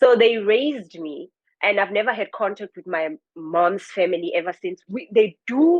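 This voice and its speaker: A woman speaks with a South African accent at a moderate pace. Her fairly high voice moves through very wide pitch swings. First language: Afrikaans. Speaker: podcast guest. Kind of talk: casual chat. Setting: studio. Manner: halting.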